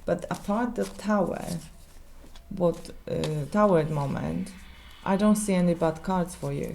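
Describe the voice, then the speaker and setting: Low, mellow Polish-accented woman. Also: gravelly, rough recording. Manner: halting, searching for words, many restarts. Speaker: tarot reader. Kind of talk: casual tarot reading monologue.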